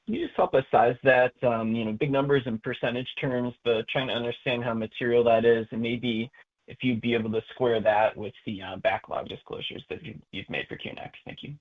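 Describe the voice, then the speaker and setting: Guy calling into earnings call w analyst questions, thin phone sound, mid pitch. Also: brisk. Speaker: financial analyst asking questions. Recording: thin, tinny phone line.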